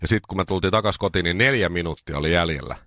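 A man's voice: no room sound, clean studio sound. A man hosting a radio show, telling stories in casual chat. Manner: animated storytelling, jumps into high voices when quoting.

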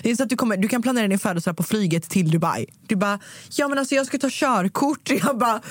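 A young woman chats on a podcast, giggly and animated, and acts out every quote as she tells her story. Her swearing is casual. The sound is dry and close, with no room around it. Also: mid-range voice, no echo. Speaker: podcast co-host.

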